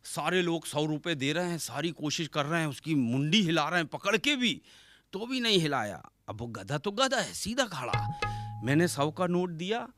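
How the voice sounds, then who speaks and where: A man performs stand-up comedy in a flavour, his fairly high voice leaping around in pitch. He acts out each character and stretches verse lines into a sing-song chant. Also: normal speed, no room sound, studio quality. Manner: animated, acts out quoted characters with sudden pitch jumps. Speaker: stand-up comic poet. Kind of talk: stage comedy storytelling.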